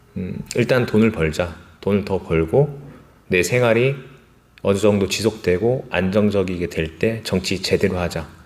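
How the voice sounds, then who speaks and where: This man speaks fairly slowly in a fairly low register. His pitch varies an ordinary amount. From Busan, South Korea. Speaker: local politician. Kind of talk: interview.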